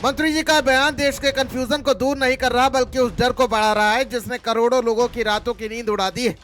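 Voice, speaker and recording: High-pitched man, dramatic news voice-over. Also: steady tone, fairly quick, faint music behind. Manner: loud, sensational delivery. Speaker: news anchor.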